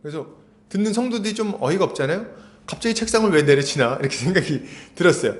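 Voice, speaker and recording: Male pastor with a high-set voice, animated preaching full of rhetorical questions and sudden shouted quotes. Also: fast talker. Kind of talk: Sunday sermon.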